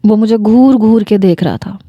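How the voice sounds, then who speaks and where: A woman storyteller reading a first-person romance story in a measured, unhurried, intimate way. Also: mid-range voice, dark tone, no room sound, lo-fi sound.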